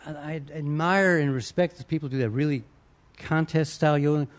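A man with a notably high speaking voice talks casually about yodeling. He explains his technique between bursts of quick yodel demos, relaxed and conversational. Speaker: singer and yodeler. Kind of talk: casual interview chat with sung demonstrations.

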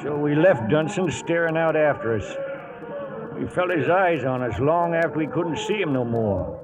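Actor as folksy old cowhand, male, loyal, plain-spoken, higher-pitched voice, western radio storytelling, clearly noisy old recording. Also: animated, normal speed, natural voice. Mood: somber storytelling. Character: loyal, folksy old trail hand telling the tale. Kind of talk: western radio drama narration and acting.

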